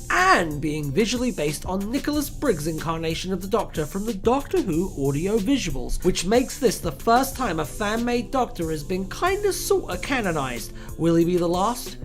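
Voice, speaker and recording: A woman presenting comedic scripted narration in a tongue-in-cheek, mock-dramatic way. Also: lowish voice. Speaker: video essay presenter. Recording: voice-over with music behind. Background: music.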